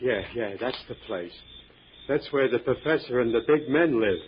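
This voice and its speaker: An actor playing a naive, timid, uneducated local fellow in an old radio drama, hesitant and folksy. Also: male voice, medium pitch, moderate pace, dull audio, slight background noise, lightly acted. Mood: naive, earnest.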